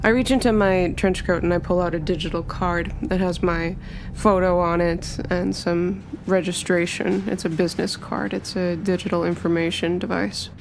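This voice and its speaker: Low-voiced woman playing a tabletop game. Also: steady tone, normal speed, slight background noise. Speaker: tabletop roleplaying player. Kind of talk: narrating own character's actions in a tabletop game.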